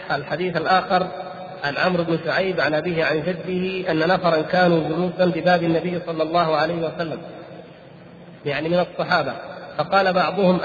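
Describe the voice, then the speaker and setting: A man delivering a formal Islamic lecture, reading and explaining a text in a deliberate way, pausing between short phrases. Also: a little high. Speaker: religious lecturer. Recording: echoey reverberant hall, muffled, faint noise.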